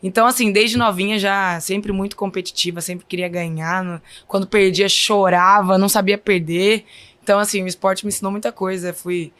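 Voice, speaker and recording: A woman's voice: mid-range voice, steady tone, fairly quick, fairly bright tone. A woman in her thirties with a Minas Gerais accent, telling stories as a guest in a podcast interview. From Brazil. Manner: chatty, often says "então, assim". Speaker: guest volleyball player. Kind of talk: casual interview storytelling.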